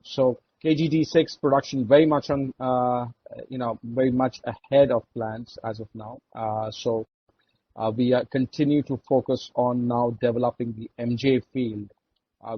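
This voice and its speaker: A man with an Indian accent giving a formal, measured and somewhat hesitant executive report on an earnings call. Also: mid-range voice, lo-fi sound, a little hiss or hum. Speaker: oil and gas executive. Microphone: conference call line.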